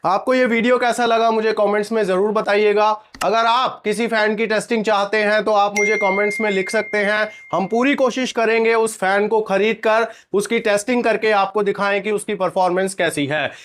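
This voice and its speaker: Male reviewer-host, high and smooth voice, sore throat, chatty hands-on walkthrough. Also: fairly even intonation, brisk, hardly any pauses, a bit bright. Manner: chatty, talks viewers through a live test. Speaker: product reviewer, channel host. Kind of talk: casual product review vlog.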